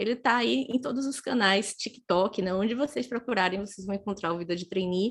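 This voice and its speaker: With a Pernambuco accent, a woman speaks fairly quickly at a medium pitch, her intonation lively. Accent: Pernambuco (northeastern Brazilian). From Brazil, Pernambuco. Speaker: career content creator, former recruiter. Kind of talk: online career talk. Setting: live stream. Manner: fast; casual, engaging with chat.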